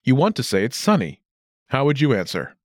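Male instructional narrator, mid pitch, animated intonation, careful enunciation, dry close recording. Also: brisk, no room sound. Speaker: language lesson narrator.

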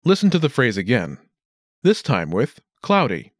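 A male lesson narrator with a lively, varied pitch and very dry studio sound. He reads scripted instructions in a deliberate, carefully enunciated way. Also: no room sound.

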